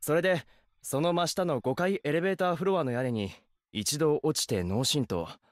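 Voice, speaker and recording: A male actor plays a detective in a game, explaining the facts of a case in a measured way. His delivery runs quick with a lively, slightly high pitch. The sound is close and dry. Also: dry recording, close to an everyday voice. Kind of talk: Japanese game voice acting.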